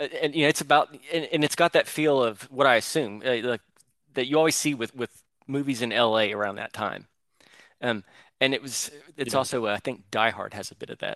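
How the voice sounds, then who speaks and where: The speaker talks at a fairly quick pace with an American accent and ordinary pitch variation, in a dry, close sound with no echo. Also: man, medium pitch for a man. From Oklahoma. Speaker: novelist and army veteran. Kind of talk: casual interview.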